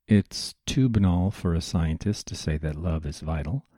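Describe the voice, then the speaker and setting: A man's voice: deep voice, moderate pace, dark tone, no echo, clean studio sound. A man hosting a history podcast, narrating from a script in a chatty, digressive lecturing manner with asides to listeners.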